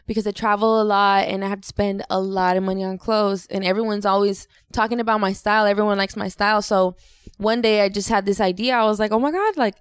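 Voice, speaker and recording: A woman's voice: mid-range voice, fairly even intonation, quick pace, smooth, no echo. A young woman rapper from Los Angeles, chatting casually in an interview, slangy and swearing freely. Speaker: rapper guest.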